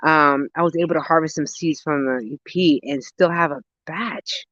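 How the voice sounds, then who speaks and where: A woman's voice: sits low, moderate pace, fairly bright tone, no room sound, highs cut off. A woman of about forty chatting casually and expressively on a gardening livestream, slangy, thinking aloud and easily sidetracked as she answers comments. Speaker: host of a gardening and mental health livestream. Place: outdoors in a garden.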